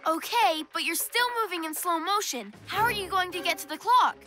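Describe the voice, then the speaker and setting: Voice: very high-pitched, expressive, fairly quick, heavily acted. A performer voicing a caring, decisive child superhero in a children's cartoon, urgent and encouraging. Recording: loud music behind voice.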